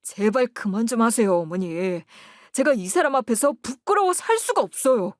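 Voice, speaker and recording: A woman's voice: a little high, expressive, fairly quick, no echo, studio quality, natural voice. A woman voicing an angry adult husband who speaks sharply to his mother.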